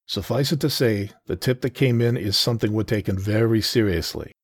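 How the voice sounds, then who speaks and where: A formal federal agent who briefs in a measured, guarded way, read by a male narrator. His voice is slightly raised above the narrator's low, husky tone, and the read is close and dry. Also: no echo.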